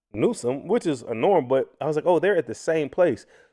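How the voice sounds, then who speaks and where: The recording is very clean, with a silent background. A man speaks at a moderate pace in an animated tone with lively intonation. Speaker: livestream commentary host. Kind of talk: casual solo commentary livestream. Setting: apartment, livestream. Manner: loud; animated, halting with many repeats.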